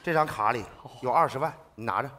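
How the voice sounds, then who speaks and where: An actor playing a generous eldest son-in-law who talks in an earnest, persuasive way in a stage sitcom. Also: male voice, mid-range voice, quick pace, background noise, close to an everyday voice. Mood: boasting.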